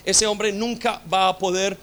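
Male pastor, fervent sermon delivery, high bright voice, drives points home with rhetorical questions. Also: steady tone, a little slow. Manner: impassioned preaching with rhetorical questions.

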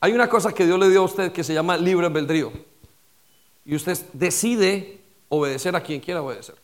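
A male pastor preaching a sermon with rhetorical questions and repetition, swinging between loud stress and quiet dropped lines. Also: high-pitched, a little fast.

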